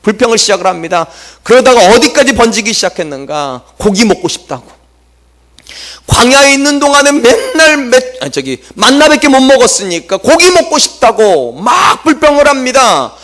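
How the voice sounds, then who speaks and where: A middle-aged man preaching a Sunday sermon as pastor, lively and humorous, acting out quotes from the people he speaks about. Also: very high voice, normal speed. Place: church sanctuary.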